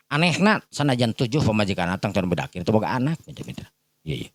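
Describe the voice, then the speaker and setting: A storyteller with a deep voice and a Sundanese accent tells a folk tale to his listeners, rambling and improvising, and padding it with repeated filler phrases. The recording has no room sound.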